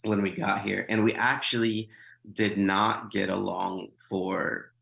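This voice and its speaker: A man in his thirties, a missionary appearing as a guest in a conversational interview, tells his story with wry humor, lots of fillers and restarts. His voice is lowish, gravelly and a bit bright, delivered flatly and slowly. The recording quality is low.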